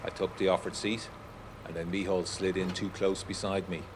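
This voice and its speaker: Male narrator, low register, literary and brooding, scripted dramatic storytelling over faint vehicle ambience. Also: flat delivery, normal speed, noisy background. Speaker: first-person narrator of an audio drama.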